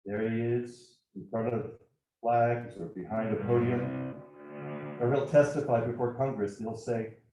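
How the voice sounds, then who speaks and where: A man reading a first-person literary piece aloud at a live event, measured and reflective in his delivery. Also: medium pitch, steady tone. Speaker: actor reading a writer's piece. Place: bar event space, indoors. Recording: very echoey room, faint music.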